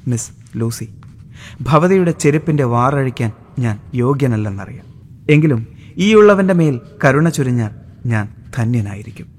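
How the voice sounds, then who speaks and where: Guy doing a polite earnest young american suitor, soft formal way of talking, storybook reading. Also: medium pitch, animated, normal speed, close to an everyday voice.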